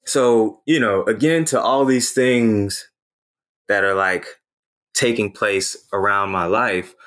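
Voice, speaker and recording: A man in his thirties, a native Haitian Creole speaker, talks through his own past as an interview guest. His voice sits very low and deep. He speaks earnestly and reflectively, often pausing on "you know" as he gathers his thoughts. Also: a bit bright. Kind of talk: personal storytelling in an interview.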